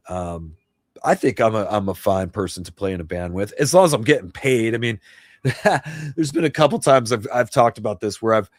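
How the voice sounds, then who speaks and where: Jersey guy in his 50s, kinda low voice, rambly laid-back livestream chat, dry mic. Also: dry recording. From New Jersey. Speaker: livestream host and guitarist.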